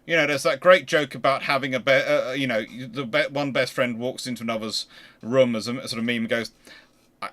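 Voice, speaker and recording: A man's voice: mid-range voice, steady tone, fairly quick, fairly bright tone. A man hosting a casual history panel discussion in a conversational way.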